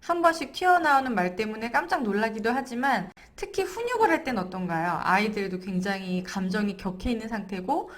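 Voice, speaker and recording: A woman in her thirties, a parenting coach, explaining calmly and gently to camera and sometimes acting out what was said. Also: a little high, fairly quick, few pauses. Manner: gentle, explanatory, acts out quoted lines. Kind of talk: to-camera parenting lesson with personal anecdote.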